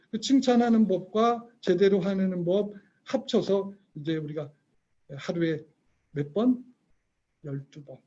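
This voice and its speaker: Husky high-voiced man lecturing parents. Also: mellow, lo-fi sound. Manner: storytelling, acts out quoted voices, quizzes the audience. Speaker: teacher giving a parenting lecture.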